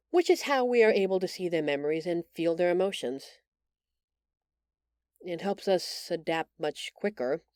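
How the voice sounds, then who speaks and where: A woman voicing a gentle, timid alien woman in an intimate audio roleplay, speaking hesitantly and earnestly, with tender halting stammers. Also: low voice, clean tone, no room sound, studio quality, close to an everyday voice. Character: gentle, timid bioluminescent alien woman, shapeshifter in human exile.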